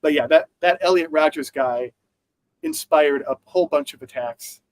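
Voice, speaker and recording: Guy rambling thru news on a podcast, lots of uh and like, kinda high voice, dry close sound. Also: normal speed, dry recording, low-quality recording. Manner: rambling, many fillers and restarts. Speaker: podcast co-host. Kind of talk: casual news chat.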